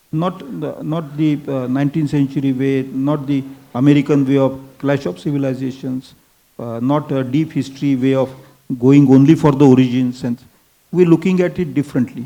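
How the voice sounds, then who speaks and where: Here a man speaks with a fairly high pitch, a dark, mellow tone and fairly even intonation. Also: moderate pace. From India (western; Marathi and Gujarati background). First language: Marathi and Gujarati. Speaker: university dean and scholar. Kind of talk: academic presentation. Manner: halting, many fillers.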